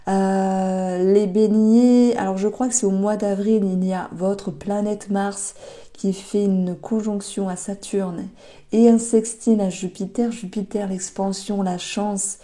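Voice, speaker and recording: A woman giving a monthly tarot reading, talking gently with many hesitations and restarts. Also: medium pitch, steady tone, slow. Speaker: tarot reader.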